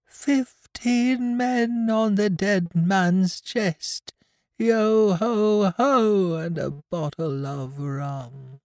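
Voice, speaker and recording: A dead pirate's ghost, thin and trembling. The words come slow and wailing, pitched far above his own voice. It is a storybook haunting, drawn out and eerie. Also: darkish tone, no room sound, studio quality, exaggerated voice. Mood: eerie singing.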